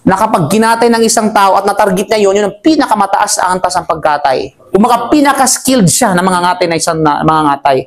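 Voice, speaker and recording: An Islamic teacher leads a live group through a Quran commentary lesson, lively and chatty, joking with her listeners. Her teaching voice leaps up high for emphasis, and she chants Arabic verses rapidly between explanations.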